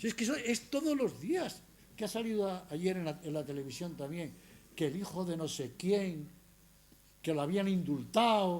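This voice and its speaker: This man has a high voice and lively intonation, speaking at a moderate pace. Audible echo fills the room. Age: 70s. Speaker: law professor. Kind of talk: lecture. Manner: animated.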